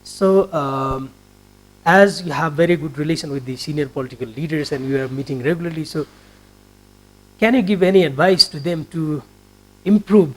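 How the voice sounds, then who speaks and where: A man's voice: a little high, moderate pace, low-quality recording. A man from Nepal with a Nepali accent, politely putting long, wordy questions as a television interviewer. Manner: polite, wordy questions with frequent filler phrases. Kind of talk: formal broadcast interview.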